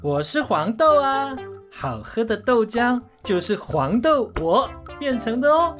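A woman as a slow, friendly little soybean. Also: a little high, big pitch swings, faint music behind, voice pushed down. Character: friendly, generous round little soybean in a storybook.

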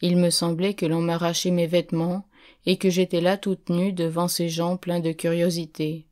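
A woman reading a literary audiobook in a steady, measured first-person narration. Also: fairly low pitch.

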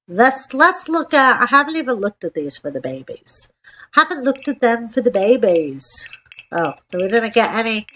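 Over a screen capture of gameplay, a female gaming host offers casual, playful commentary, talking to herself and circling back to the same phrases. Her voice is on the high side and a bit bright, nasal and stuffed-up, and a little hiss or hum sits under the recording.

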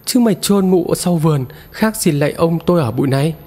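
A man voicing an angry, brutal rural husband who yells and scolds harshly. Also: on the high side, expressive, quick pace, voice pushed up. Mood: angry yelling. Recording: long reverb.

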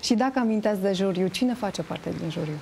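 A woman's voice: mid-range voice, creaky, darkish tone, slight background noise. A young woman interviewing a guest conversationally in a TV studio. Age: young adult, around 30. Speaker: TV interviewer, host. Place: indoor TV studio. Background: music playing.

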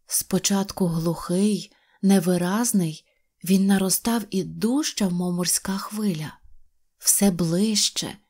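A woman reading an audio fairy tale in an expressive storytelling manner. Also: medium pitch, slow. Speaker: narrator.

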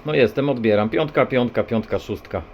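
A man's voice: medium pitch, fairly quick. A man working as a CB radio operator, talking casually as he exchanges contacts over the radio. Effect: CB radio transmission. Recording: muffled, very noisy CB radio recording.

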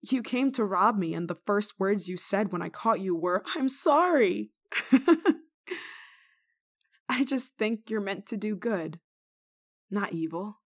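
A woman playing a kindly, rule-breaking nun in an ASMR roleplay, speaking to the listener in a gently teasing, caring manner. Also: mid-range voice, animated, takes it slowly, long pauses. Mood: caring, encouraging. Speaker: roleplay voice actor.

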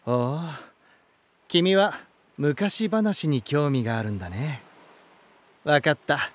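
A man's voice: a little high, sing-song. An actor voicing a genial, elegant male lighthouse spirit in a voice drama, telling stories in a theatrical manner. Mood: playful, inviting. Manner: smooth-mannered, theatrical, unhurried storytelling. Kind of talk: Japanese voice drama acting.

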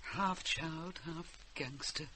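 An actress playing a sharp-tongued but fond old grandmother in a radio drama, with a Northern English accent and a wry, scolding manner. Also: sits low, takes it slowly, full character voice. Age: older. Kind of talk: naturalistic radio drama acting. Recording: noisy radio drama recording.

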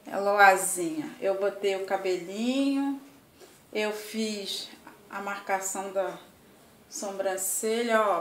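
An older woman with a Brazilian accent hosts a vlog from indoors at home, chatting casually and tenderly with lots of diminutives. Her voice is a little high and sounds far from the mic, with a roomy echo.

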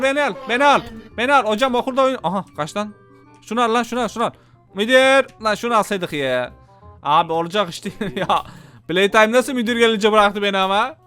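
Guy streaming a horror game, high bright voice, yells then mutters, faint game music behind. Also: smooth. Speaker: gameplay streamer. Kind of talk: Let's Play commentary.

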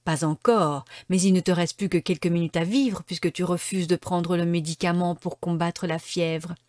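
A woman voicing grim black rabbits carrying a coffin in a storybook reading, low and ominous. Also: steady tone, moderate pace, a little mellow, no room sound, studio quality, lightly acted.

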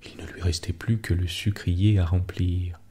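A man softly reading a children's story aloud for a sleep podcast, in a hushed, soothing way. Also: sits low, fairly even intonation, moderate pace, husky.

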